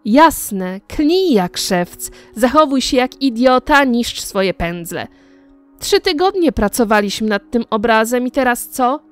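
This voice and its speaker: A woman reading a sharp-tongued young model. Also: medium pitch, animated, slow pace, faint music behind. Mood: scolding. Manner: scolding, outspoken. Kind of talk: audiobook reading.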